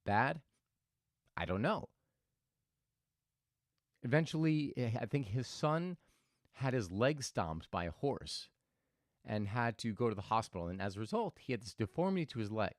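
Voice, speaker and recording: A man speaks in a reflective, motivational way, telling stories and often restarting his sentences. His pitch swings widely as he talks. The sound is dry and close, with no room around it. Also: sing-song, moderate pace, no room sound. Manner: thoughtful, storytelling, with restarts. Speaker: host.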